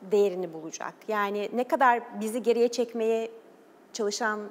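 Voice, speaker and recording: A woman's voice: medium pitch, normal speed. Earnest woman guest in a reverberant studio. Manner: earnest, with fillers and laughs. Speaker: guest, journalist and documentary maker. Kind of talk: TV interview talk.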